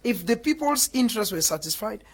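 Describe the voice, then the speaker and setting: A woman speaking on a talk panel, her voice fairly high and husky. She makes her points with indignant emphasis. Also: expressive, brisk. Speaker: panel guest. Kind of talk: heated debate.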